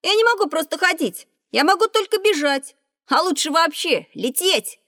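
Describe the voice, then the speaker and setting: A woman voicing a lively, curious schoolboy who asks eager questions in a children's audio drama. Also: very high-pitched, moderate pace, dry recording, full character voice. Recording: dry studio recording.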